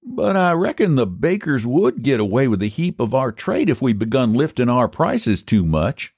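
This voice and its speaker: A man's voice: medium pitch, huge pitch swings, normal speed, a little mellow, slightly rough, dry recording, studio quality, pitched above the performer's own voice, full character voice. A man voicing an earnest, homespun rural American pie baker, a storybook character who is easily won over. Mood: doubtful.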